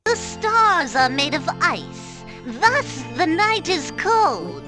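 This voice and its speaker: A woman's voice: high voice, very animated, slow, exaggerated voice. A woman voicing a whimsical old wizard in a video game, explaining things in a lilting, feminine voice. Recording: game audio with music underneath.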